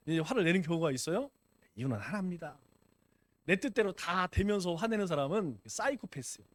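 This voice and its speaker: A man's voice: sits high, no echo. A man preaching a sermon to his church as pastor, talking in a conversational way and asking the congregation rhetorical questions.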